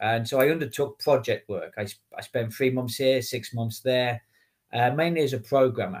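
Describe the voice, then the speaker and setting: A man with a somewhat breathy, medium-pitched voice talks at a fairly quick pace with ordinary pitch variation against a quiet background. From North Birmingham, England. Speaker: education technology consultant and presenter. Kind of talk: webinar presentation. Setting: online webinar. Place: home room. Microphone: webcam.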